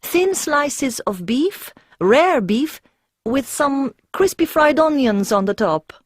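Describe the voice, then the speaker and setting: A woman from Denmark, speaking clearly in a scripted textbook monologue. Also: sits high, expressive, slow, no room sound, clean studio sound. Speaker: speaker in a textbook listening exercise.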